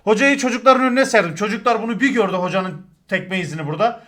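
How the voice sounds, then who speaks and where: A man, telling crude football stories to his stream chat in a casual, animated way, swearing and acting out shouts. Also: high-pitched, fast.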